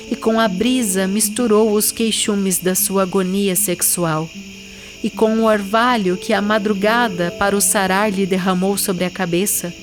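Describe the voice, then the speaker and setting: A Brazilian woman speaks as a literary reader and podcast host, at a middling pitch for a woman. Music plays clearly behind her voice. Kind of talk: literary narration and conversational book discussion.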